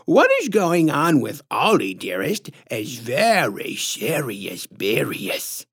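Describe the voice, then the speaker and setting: A man voicing a huge, creepy, patronizing woman in a storybook, with a squishy-throated lisp and syrupy, drawn-out baby talk. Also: mid-range voice, sing-song, a bit bright, husky, exaggerated voice. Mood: patronizing, ominous.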